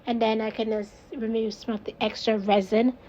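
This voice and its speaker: Woman, Jamaican accent, fairly high pitch, rambling casual narration, muffled lo-fi sound. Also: flat delivery, normal speed, warm tone, slight background noise. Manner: chatty, rambling, laughs at herself. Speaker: resin crafter, video host. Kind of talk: casual voice-over narration of a craft video.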